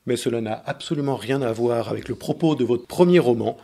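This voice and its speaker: A man hosting a bookshop radio program, with a mid-range pitch. He reads a formal introduction, then asks his questions in a measured, polite way. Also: vocal fry, mellow. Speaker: radio host.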